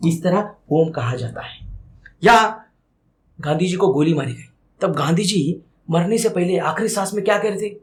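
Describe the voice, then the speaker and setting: A man's voice: high voice, lively intonation, moderate pace. A man teaching Hindi grammar in a lesson, asking questions and answering them himself, repeating key words and drawing out vowel sounds to show how they are said. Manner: stretches out vowels when demonstrating sounds. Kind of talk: classroom-style grammar lesson.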